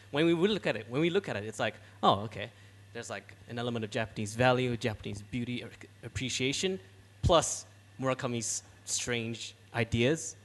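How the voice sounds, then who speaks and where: A young man speaking thoughtfully in a casual group discussion, pausing often with fillers. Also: mid-range voice, a bit bright. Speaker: audience member at a book party.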